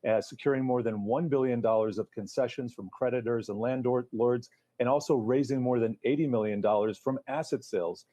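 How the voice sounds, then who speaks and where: A man presenting financial news, reading out figures and explaining them in a measured way. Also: mid-range voice, warm tone.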